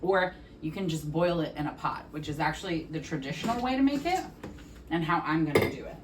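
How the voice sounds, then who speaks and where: A woman's voice: sits low, lively intonation, a little fast, a little hiss or hum. A woman in her forties hosting a cooking vlog, chatting candidly and casually to the camera in a conversational way. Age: 40s.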